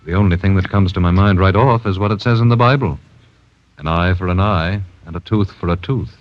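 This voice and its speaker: A man's voice: low-pitched, brisk, no room sound, natural voice. An actor playing an easygoing, plainspoken young man in an old radio drama, recorded as a dull old radio broadcast. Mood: calm. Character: friendly young man, eerily calm stranger. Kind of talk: 1940s radio acting.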